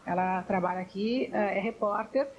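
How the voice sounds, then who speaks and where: A woman hosting a TV talk show in a studio, brisk and attentive as she steers the conversation. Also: mid-range voice. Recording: dull broadcast audio.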